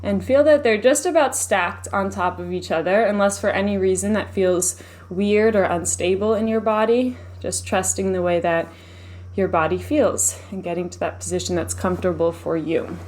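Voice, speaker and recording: A woman leading a live guided meditation in a soothing, unhurried, gently instructive manner. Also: mid-range voice.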